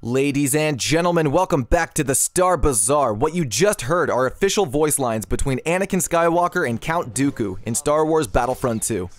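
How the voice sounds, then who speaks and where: A man's voice: fairly high pitch, expressive, moderate pace, hardly any pauses. A man presenting scripted video game news commentary as the host of an online channel.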